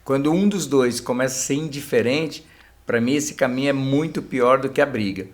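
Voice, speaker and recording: A man's voice: mid-range voice, moderate pace. A middle-aged man with a Brazilian Portuguese accent, a couples therapist guest explaining things in a casual podcast chat, often tagging phrases with a filler. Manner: explanatory, many filler tags at phrase ends.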